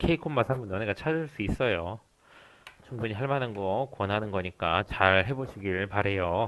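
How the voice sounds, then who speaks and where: The man's pitch is fairly low, with ordinary variation. His tone comes across bright and sharp. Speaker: math teacher. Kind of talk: lecture. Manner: fast.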